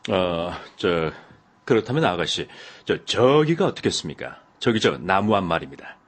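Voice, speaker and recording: A man voicing a friendly, tall male workman in an audiobook, talking in a relaxed way with hesitant fillers. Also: sits low, moderate pace. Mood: easygoing. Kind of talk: audiobook dialogue.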